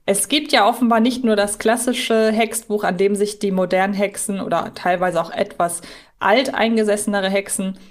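A woman's voice: mid-range voice, fairly even intonation, moderate pace. A woman co-hosting a fan podcast, explaining details analytically in a conversational way. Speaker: podcast co-host.

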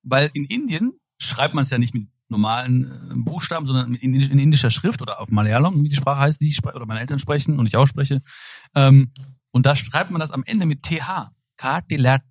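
A young man from Germany co-hosting a casual podcast chat, telling stories in a lively way into a studio microphone. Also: medium pitch, fairly quick, slightly rough, no room sound. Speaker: podcast co-host.

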